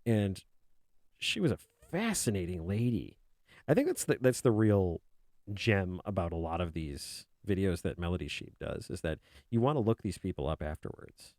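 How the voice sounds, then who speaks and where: A low-voiced man talking casually while he draws on a live stream. His voice is soothing and soft-spoken, and he rambles with lots of little fillers. His pitch rises and falls freely, and the sound is close and dry. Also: sing-song, moderate pace, no echo. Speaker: artist streamer.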